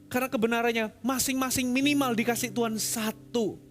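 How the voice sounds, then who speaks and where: A man preaching a sermon as pastor, swinging between loud emphatic lines and hushed, quiet ones. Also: very high-pitched, steady tone, brisk.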